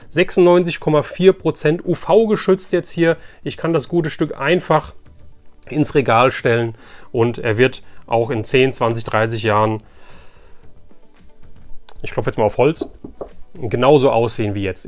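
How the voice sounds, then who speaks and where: A man's voice: mid-range voice, normal speed, faint music behind. A man presenting a collector's unboxing video in casual, enthusiastic, colloquial chat, often repeating phrases for emphasis.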